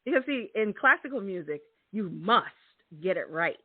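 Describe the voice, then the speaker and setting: A woman's voice: mid-range voice, lively intonation, moderate pace, dry recording. A middle-aged woman hosting a motivational talk, emphatic and repeating her key words. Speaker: host. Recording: thin phone-like sound.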